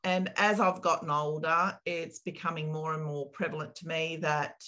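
A woman's voice: low voice, little pitch movement, normal speed, sharp tone. A woman, a property consultant speaking earnestly and reflectively as an interview guest. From Australia. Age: 50s.

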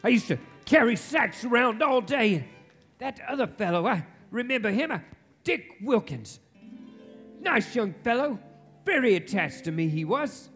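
A man's voice: very high-pitched, very animated, measured pace, fairly bright tone, exaggerated voice. A man playing a wistful, emotional old miser in a radio play performed live on stage. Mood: delighted. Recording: live stage recording, reverberant hall, music underneath.

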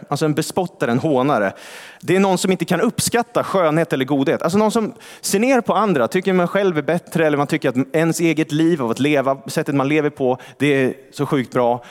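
A man's voice: a little high, expressive. Man preaching in a reverberant church. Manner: conversational, rhetorical questions, quoting scripture slowly. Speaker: pastor. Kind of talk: sermon. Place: large church hall.

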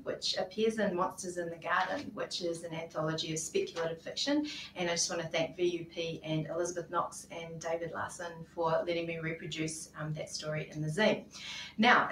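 A woman's voice: on the low side, a bit bright. A woman hosting a live podcast interview in a small office, chatty, with many ums and laughs. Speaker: podcast host. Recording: roomy, distant mic, faint noise.

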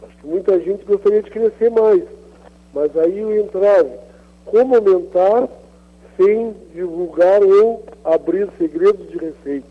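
A man calling in to a radio show over the phone, explaining his question haltingly with repeated examples. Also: high-pitched. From southern Brazil. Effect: caller heard over a phone line. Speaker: caller. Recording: tinny phone line.

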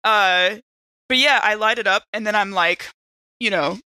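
A woman with a bright, forward voice talks as a player in a tabletop game. She speaks informally and haltingly, working out moves aloud, in a very dry recording. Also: medium pitch, clear, resonant tone, dry recording, low-quality recording. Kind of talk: casual in-game chat.

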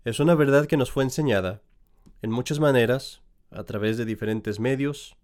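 A man, a priest, reads scripture in a measured, solemn way and then preaches a sermon, now and then correcting himself mid-phrase. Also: mid-range voice, darkish tone. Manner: measured, solemn reading with slips and restarts.

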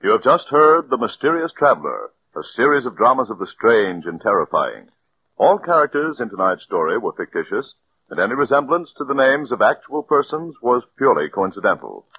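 A man's voice: mid-range voice, very animated, brisk, slight background noise. A male radio announcer reading closing credits in a formal, declamatory manner, heard on a dull 1940s radio broadcast. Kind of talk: scripted announcement.

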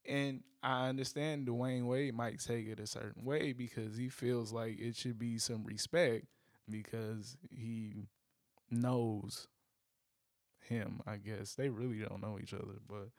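A man in his thirties co-hosts a casual talk show, laying out his view in a measured, reasoning way. He speaks slowly at a middle pitch, and the sound is dry and close. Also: dry recording. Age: 30s. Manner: measured, reasoning, sees both sides. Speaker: podcast co-host. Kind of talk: casual chat.

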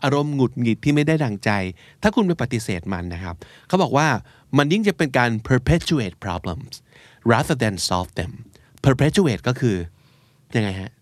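A man's voice: medium pitch, very animated, fairly quick, dry recording. Man co-hosting a vocabulary podcast. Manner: explains words in Thai, mixing in English terms. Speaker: podcast co-host teaching English vocabulary. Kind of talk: casual explanatory chat.

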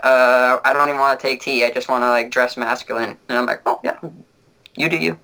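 Blunt young man with a bright voice. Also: mid-range voice, steady tone, fairly quick, rough recording. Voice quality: fairly light voice for a man. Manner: blunt, candid and joking. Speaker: guest. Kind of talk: casual conversation.

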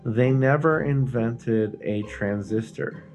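A man's voice: medium pitch, slow pace, a little mellow, soft background music. A man co-hosting a podcast, chatting casually in a rambling, explanatory way and swearing now and then. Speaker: podcast co-host. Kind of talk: casual chat.

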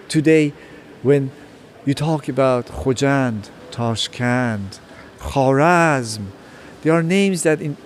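A man speaks very slowly and with passion, leaning hard into each phrase. His voice is mid-pitched, with faint noise behind it. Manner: slow, emphatic, passionate. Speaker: exhibition curator.

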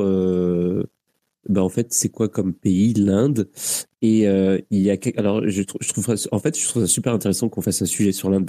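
A man's voice: fairly low pitch, warm tone, no echo, studio quality. A man hosting a live radio talk show, his sinuses blocked, talking in a hesitant way with many fillers and restarts. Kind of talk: casual live radio chat.

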